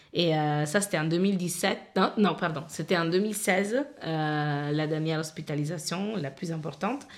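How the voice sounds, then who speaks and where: Very slowly, a woman talks in a fairly low register. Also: ordinary pitch variation. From Italy, of Senegalese parents. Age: 30s. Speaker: podcast guest, eldest daughter and mother. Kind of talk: personal testimony interview.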